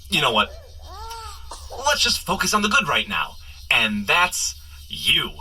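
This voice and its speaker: A man's voice: fairly high pitch, sharp tone, heavily acted, low-quality recording. A man playing a flustered, wisecracking superhero who rambles sheepishly as he coaches a runner in a comedic audio drama. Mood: awkward, uneasy, then encouraging. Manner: rambling, sheepish, nervously joking asides. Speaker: character guide in an audio running adventure.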